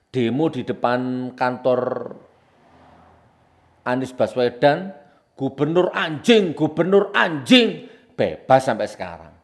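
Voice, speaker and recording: A male preacher, delivering heated commentary. He hammers his points home with accusatory repetition. His pitch sits in the middle, neither deep nor high. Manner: confrontational, hammering repeated accusations, swings from low solemn to loud heated. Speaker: Islamic preacher.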